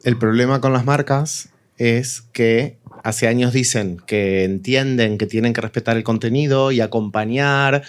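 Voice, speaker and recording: A man's voice: mid-range voice, fairly even intonation, measured pace. Man giving opinions on a panel. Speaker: panelist, audio fiction creator. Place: live event with audience.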